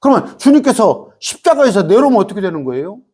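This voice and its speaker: A male pastor preaches with a high, lively voice that swoops up and down as he drives his points home. His tone is slightly husky, and he keeps firing rhetorical questions and quick "eh?" asides at the congregation. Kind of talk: sermon.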